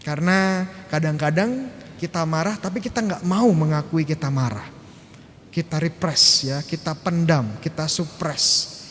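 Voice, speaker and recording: A fairly high-voiced man gives a Sunday homily as a Catholic priest, in an easy chat that asks questions and answers them himself. His voice rings with long church reverb over a faint low rumble. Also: measured pace, fairly bright tone. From Indonesia. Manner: acts out short exchanges with parishioners. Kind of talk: sermon.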